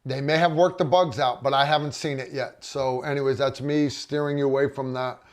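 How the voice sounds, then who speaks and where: A man's voice: medium pitch, fairly even intonation, a little fast. A middle-aged man hosting a casual livestream, reading viewer comments and rambling with frequent restarts. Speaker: livestream host.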